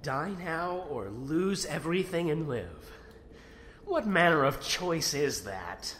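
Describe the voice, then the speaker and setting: An actor playing a desperate, defiant young mage apprentice, agitated and prone to stammering, in an audio drama. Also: male voice, fairly high pitch, big pitch swings, takes it slowly, a bit bright, a little hiss or hum, full character voice. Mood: bitter defiance.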